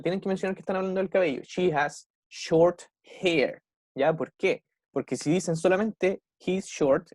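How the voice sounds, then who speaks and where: Chilean teacher, keeps asking "¿cierto?". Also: male voice, high-pitched, darkish tone, no echo, studio quality. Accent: Chilean Spanish. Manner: slows right down to model English phrases. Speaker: English teacher. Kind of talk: online class explaining vocabulary.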